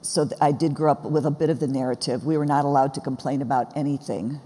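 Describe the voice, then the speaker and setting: A woman in her sixties, born in Sweden with Swedish as her first language, speaks warmly and reflectively, laughing easily. Her voice is dark and mellow. She is heard in a long-echoing church hall with a faint hiss underneath. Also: very deep voice, fairly even intonation, fast talker. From born in Sweden, raised in the US. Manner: warm, laughs often, reflective storytelling. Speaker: guest, seminary professor. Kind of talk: conversational interview. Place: church stage, large hall. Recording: reverberant hall, faint noise.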